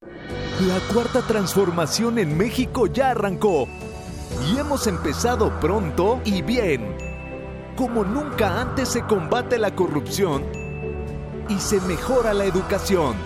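Guy doing a peppy political ad, high and bouncy, loud music under. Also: expressive, takes it slowly. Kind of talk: upbeat scripted ad read.

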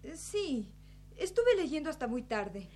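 Hesitant, soft-spoken young woman played by an actress. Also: high-pitched, very animated, slow, a crowd in the background, heavily acted. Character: Dulce, tired dreamy young woman.

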